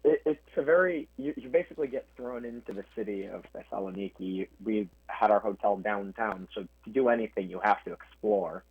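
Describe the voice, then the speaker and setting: A man's voice: fairly low pitch, a little fast, hardly any pauses, no echo. A young man answering interview questions over a phone line, earnest and plain-spoken. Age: young adult. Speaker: guest.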